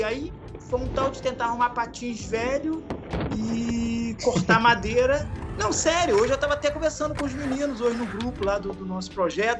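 A man from the Rio de Janeiro area, close to fifty, speaks with a local Brazilian accent. He tells stories as a podcast guest in a loose, chatty way, drawing out his words and laughing often. Faint music plays under his voice. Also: high-pitched. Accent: Rio de Janeiro Brazilian Portuguese. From Araruama, Rio de Janeiro state, Brazil. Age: 40s. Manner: relaxed, laughs often, drawn-out slang-filled storytelling. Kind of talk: casual storytelling interview.

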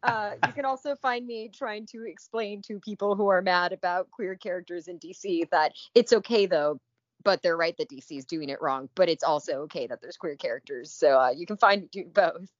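A woman's voice: fairly low pitch, fairly quick, no room sound, muffled recording. A chatty woman guest on a podcast who laughs often, in casual chat.

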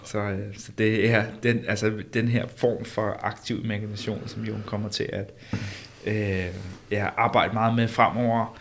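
A man co-hosting a casual chat, explaining in a relaxed way with many fillers. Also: on the low side, slight background noise.

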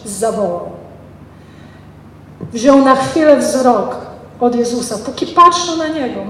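High-voiced woman preaching in an echoey hall. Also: slight background noise. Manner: expressive preaching, reads scripture then dramatizes it; ends in prayer. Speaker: pastor. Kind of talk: sermon. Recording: reverberant hall from a distance, faint ambience.

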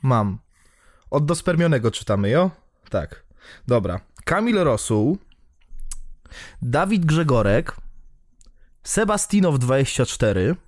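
A man's voice: medium pitch, very animated, a little slow, long pauses, darkish tone. A man co-hosting a casual podcast chat, often laughing, swearing and repeating himself. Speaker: podcast co-host.

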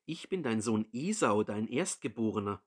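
A man's voice: lowish voice, expressive, normal speed, breathy edge. A man voicing a bitter grown son, a hunter, who pleads earnestly with his father. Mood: pleading.

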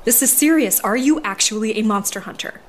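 A woman's voice: a little high, expressive, fairly quick, a little hiss or hum, lightly acted. Woman playing an earnest, businesslike temple sister. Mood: serious, insistent. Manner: direct, serious, politely formal. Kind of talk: audio drama acting.

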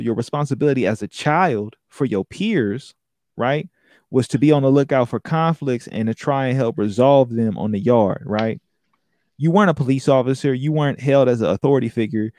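A man's voice: mid-range voice, warm tone, no room sound, clean studio sound. A young man from San Francisco, talking casually and reflectively, explaining his points. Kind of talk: casual conversation.

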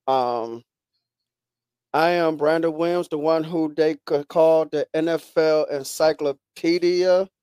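Higher-voiced man hosting casual sports talk. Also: fairly even intonation, slow pace, a little mellow, clean tone, no echo, studio quality. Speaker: podcast host.

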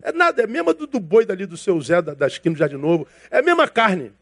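High-voiced pastor preaching casually. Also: male voice, big pitch swings, fast, fairly bright tone. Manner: casual, slangy preaching that calls listeners brother; acts out dialogue from his stories. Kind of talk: sermon.

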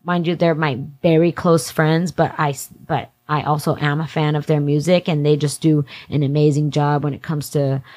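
A woman's voice: deep voice, little pitch movement, normal speed, hardly any pauses, a little mellow. A twenty-nine-year-old woman speaking as an interview guest in casual, candid conversation, with slangy, informal phrasing full of "like". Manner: informal slang-filled talk, heavy use of "like". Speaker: interview guest working in music industry event production.

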